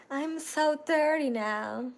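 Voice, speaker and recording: A woman in her thirties chatting casually with viewers in a relaxed, talkative way, often saying "you know" and "like". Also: high-pitched. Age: 30s. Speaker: content creator. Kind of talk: casual livestream chat answering viewers.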